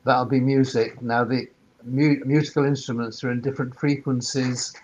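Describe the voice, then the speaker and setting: A man's voice: mid-range voice, little pitch movement, normal speed, muffled recording, a little hiss or hum. A man giving informal expert explanations on a webinar panel, hesitant and often repeating his words. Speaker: sound engineer and workspace operator, panelist.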